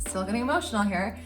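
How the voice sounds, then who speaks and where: A woman's voice: mid-range voice, recorded from a distance. A young woman hosting her channel, chatting casually about how she met her partner, with lots of fillers and laughter. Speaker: channel host. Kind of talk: casual couple chat. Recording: roomy echo, faint music.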